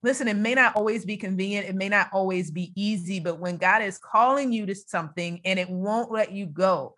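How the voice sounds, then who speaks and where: A woman's voice: mid-range voice, a little fast, fairly bright tone. A woman hosting a conversational faith-based interview, speaking in an affirming, encouraging and emphatic way. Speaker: interviewer, host.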